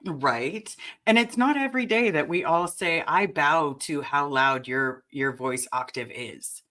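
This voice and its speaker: A woman with a raspy voice hosting a casual livestream chat and talking straight to her viewers. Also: deep voice, measured pace. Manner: chatty and animated, addresses the chat directly. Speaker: livestream host.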